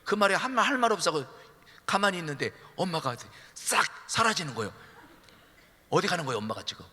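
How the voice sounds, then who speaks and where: A middle-aged male pastor preaching in animated storytelling style and teasing his congregation, in a church sanctuary. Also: sits high, fast talker, husky. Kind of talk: sermon. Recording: long church hall reverb.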